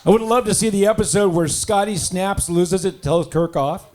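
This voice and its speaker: A man's voice: high-pitched, normal speed. A man doing a stand-up comedy set and introducing the next comedians. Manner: hypes the next act with loud announcements; puts on character voices in bits. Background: live audience.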